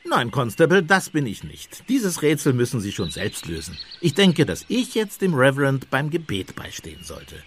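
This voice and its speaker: An actor playing a mild, shrewd Catholic priest detective in a German radio play, measured and politely evasive with understated irony. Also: male voice, medium pitch, huge pitch swings, a bit bright, a little hiss or hum. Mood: calm, firm.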